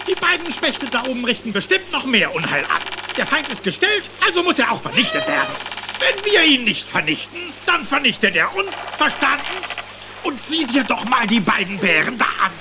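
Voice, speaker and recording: Scheming militant cartoon animal, bossy commands, lively high pitch, noise behind. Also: female voice, normal speed. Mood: agitating. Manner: hectoring, scheming, clipped commands. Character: bossy, militant animal agitator, self-styled veteran. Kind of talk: animated film radio play dialogue.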